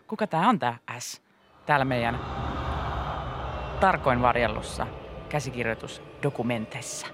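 A woman's voice: rumbling low, sing-song, pauses often, background noise. A woman radio host telling a spooky story in casual chat, with dramatic, suspenseful delivery. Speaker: radio morning show host. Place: radio studio. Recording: radio studio with music bed.

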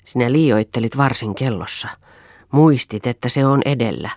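A woman's voice: rumbling low, a little mellow, dry recording, clean studio sound. A woman reading the part of an irritable, dismissive husband in an audiobook. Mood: needling. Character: cold, irritable husband Eero.

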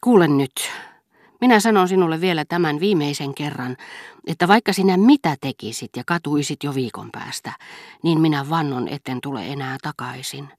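A woman's voice: deep voice, animated, a little mellow, no room sound, clean studio sound. A woman voicing a proud, jealous young male aristocrat in an audiobook, speaking firmly and formally. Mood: stern.

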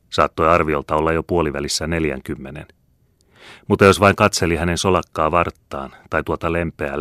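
A man narrating a classic novel as an audiobook in a measured, steady storytelling manner, close to a studio mic. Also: very deep voice, dry recording. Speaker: audiobook reader.

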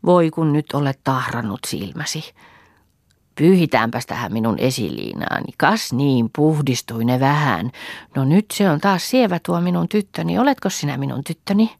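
A woman's voice: sits low, expressive, vocal fry, darkish tone, no room sound, studio quality, heavily acted. A woman doing a doting old village granny. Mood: doting, coaxing. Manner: cooing, coaxing endearments.

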